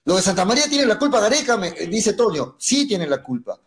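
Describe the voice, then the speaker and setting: A man hosting a radio sports talk show, moderating calmly and asking questions. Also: sits high, a little fast. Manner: calming, questioning.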